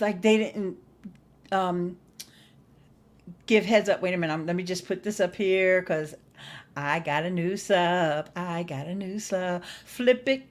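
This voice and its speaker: A middle-aged woman chatting casually to livestream viewers as host, folksy and playful, leaning on words for emphasis. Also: medium pitch. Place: small indoor home studio. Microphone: desktop microphone close by.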